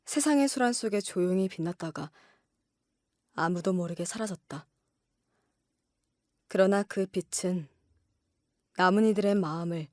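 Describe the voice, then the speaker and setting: Actress doing a young woman writer in an audio drama, soft n sincere, kinda reflective, medium pitch. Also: no room sound, clean studio sound, close to an everyday voice. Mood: tender, mournful. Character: earnest young woman writer, grieving, tender and hopeful.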